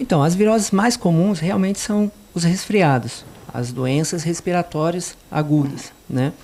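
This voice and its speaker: Over noticeable background noise, a man with a Minas Gerais accent speaks fairly slowly at a high pitch with lively intonation. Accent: noticeable Minas Gerais (mineiro). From interior of Minas Gerais, Brazil (Carandaí, Zona da Mata). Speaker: ENT doctor. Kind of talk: TV interview, explaining medical topics.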